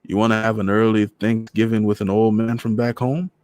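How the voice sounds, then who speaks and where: A man's voice: on the low side, flat delivery, brisk, a little mellow, smooth, no room sound, voice pushed up, close to an everyday voice. A man voicing a lonely, cheerful old man from Trinidad, speaking in a lilting island dialect with a Trinidadian accent. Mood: wistful.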